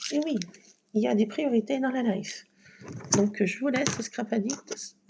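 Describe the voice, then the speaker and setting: A woman talks very slowly, her voice fairly high in pitch. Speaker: scrapbooking YouTuber. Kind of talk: casual vlog chat.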